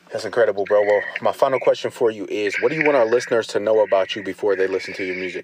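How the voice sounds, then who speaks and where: Very fast speech from a man with an American accent, over noticeable background noise. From Ohio. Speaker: podcast host. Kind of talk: phone interview; scripted intro.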